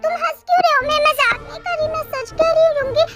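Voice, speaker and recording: A woman's voice: extremely high pitch, fast, pitched above the performer's own voice. A woman voicing a shy, easily scared young woman in a fan dub, pleading and panicky. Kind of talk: Hindi fan dub acting. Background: background music.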